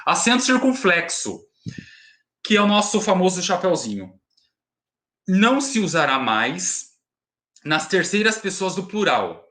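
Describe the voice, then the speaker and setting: Lively bright-voiced Brazilian male teacher. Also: sits high, measured pace, long pauses. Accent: Brazilian Portuguese. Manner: explanatory, frequent tag questions. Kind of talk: recorded remote class lesson.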